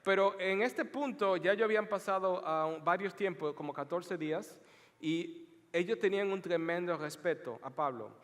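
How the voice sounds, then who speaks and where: Animated high-voiced preacher in a reverberant hall. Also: male voice, moderate pace. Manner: animated, joking, storytelling. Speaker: pastor. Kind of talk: bilingual sermon with scripture reading. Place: church sanctuary. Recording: long reverb of a large hall.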